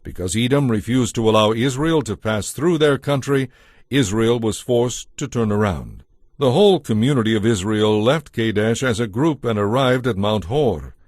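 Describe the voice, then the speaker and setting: A man narrating scripture from a script in a solemn, deliberate, clearly enunciated storytelling style. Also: medium pitch, darkish tone, no room sound, studio quality. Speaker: Bible narrator.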